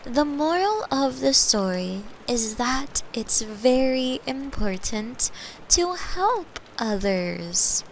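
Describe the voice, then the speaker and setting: A woman playing a caring, playful girlfriend in a soft, tender, breathy bedtime ASMR roleplay. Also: high voice, sing-song, slight background noise, full character voice, poor audio. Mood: gently teasing. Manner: soft, slow, tender, often breathy and whispering. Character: caring, playful girlfriend soothing her partner to sleep.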